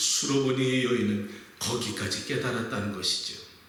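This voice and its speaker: With fairly even intonation and a moderate pace, a man talks while audible room echo and noticeable background noise fill the recording. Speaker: pastor. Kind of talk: sermon.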